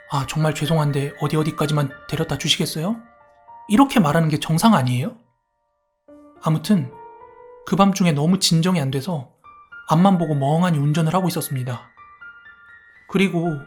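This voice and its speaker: A man narrating a first-person horror story in a soft, steady storytelling tone. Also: a little high. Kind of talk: calm scripted horror narration.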